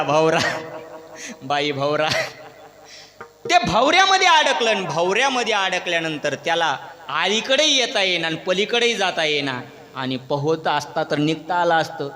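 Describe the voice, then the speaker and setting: Guy preaching a kirtan, bright sharp voice, acts out the story, big echoey hall. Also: sits high. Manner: animated storyteller, acts out characters, questions the audience. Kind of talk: devotional kirtan storytelling sermon. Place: large echoey hall at a religious gathering. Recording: echoey hall with long reverb.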